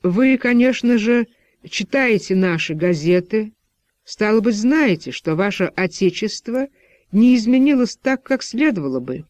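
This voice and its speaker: A man's voice: high voice, lively intonation, a little slow, a little mellow, no echo, muffled recording, voice pushed up. A man voicing a stern postwar official who interrogates with pressing, insinuating questions.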